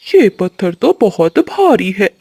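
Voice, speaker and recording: A woman's voice: medium pitch, sing-song, slow, mellow, slightly rough, dry recording, heavily acted. A woman voicing a greedy, lazy male crow in a cartoon. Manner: stammers when scared.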